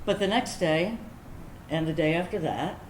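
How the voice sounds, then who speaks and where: A woman acting a candid lesbian military veteran in a staged reading, telling her story in a wry, confessional, conversational way with deliberate pauses. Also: on the low side, close to an everyday voice. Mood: tender, amused. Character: candid lesbian military veteran recalling academy first love. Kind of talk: dramatic first-person monologue in a staged reading. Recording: roomy echoing stage recording, background noise.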